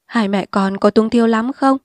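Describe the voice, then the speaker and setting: A woman's voice: a little high, dry recording, lightly acted. Woman doing a remorseful, pleading old man. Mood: gentle. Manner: soft, slow and pleading.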